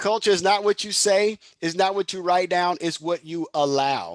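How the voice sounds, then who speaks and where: A man speaks with a Southern US accent and ordinary pitch variation. The sound is dry and close, with no echo. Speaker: music education host. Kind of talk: panel discussion. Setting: video call.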